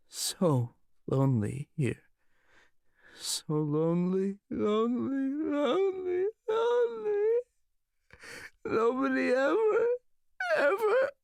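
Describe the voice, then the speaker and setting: A volatile, lonely mage from a fantasy audiobook. The pitch swoops wildly from menacing mutters to wails, theatrical and bitterly mocking, in a dry close recording. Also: male voice, vocal fry, a little mellow, no echo, exaggerated voice. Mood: lonely, despairing, then wailing. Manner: theatrical, swinging from low menace to high wailing. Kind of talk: audiobook character acting.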